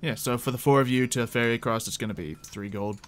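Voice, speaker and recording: Casual male game master, medium pitch, informal and explanatory, guiding players through a tabletop adventure. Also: fairly even intonation, fast, smooth.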